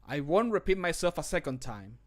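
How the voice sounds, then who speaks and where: A man voicing a stern, formal city guard for a fantasy game, with measured, admonishing delivery. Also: a little high, big pitch swings. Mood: stern warning.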